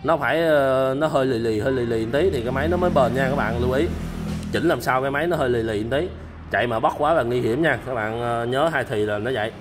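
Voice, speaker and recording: At night, in a storage area packed with machines, a man films on his phone held in hand as he casually demos used machines to camera. His voice is medium-pitched and fast, with a noisy background. He's chatty, full of fillers, and keeps saying "các bạn" as he addresses viewers directly.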